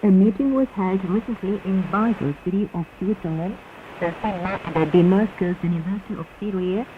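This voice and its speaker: A woman reading formal scripted propaganda news as a radio announcer, solemn, measured and reverent. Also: mid-range voice. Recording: tinny narrowband shortwave radio, heavy hiss.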